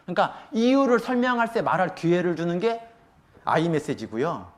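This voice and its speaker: A man's voice: sits high, very animated, fairly quick. Korean man teaching a church class. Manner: explains steps, acts out a mother's lines. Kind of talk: Bible class lecture.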